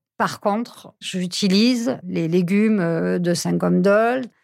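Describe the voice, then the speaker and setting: This is a woman with a plain, everyday voice, fairly low in pitch for a woman. Her pitch variation is ordinary, and the recording is very clean with a silent background. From Lot, southwest France. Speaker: hostel owner and cook. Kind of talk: interview. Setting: at her hostel.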